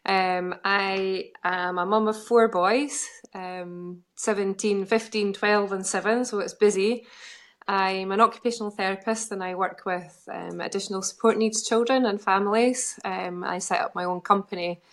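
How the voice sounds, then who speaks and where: Scottish woman, 40s, guest spot. Friendly and matter-of-fact, mid-pitched. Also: fairly even intonation, normal speed. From Scotland. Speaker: guest, occupational therapist. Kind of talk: interview answers.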